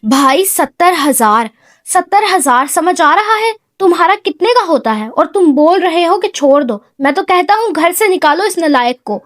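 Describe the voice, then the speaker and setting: A woman reading aloud puts on a hot-headed young man from a storybook, loud and sarcastic, pitched well above a usual male voice and snapping out his lines fast. The sound is dry and close. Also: lively intonation, dry recording. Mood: indignant. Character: hot-tempered young man, mocking brother.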